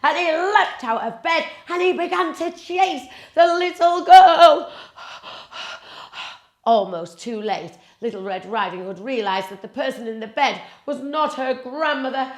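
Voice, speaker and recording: A woman narrating a fairy tale for children in a dramatic, deliberate, expressive way. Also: high-pitched. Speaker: children's storyteller. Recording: echoey room.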